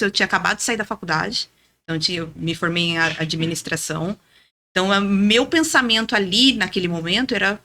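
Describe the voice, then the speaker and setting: A woman in her thirties telling a personal faith story as a podcast guest, earnest and lively, often adding "né?". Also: medium pitch. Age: 30s. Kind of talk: testimony in casual chat.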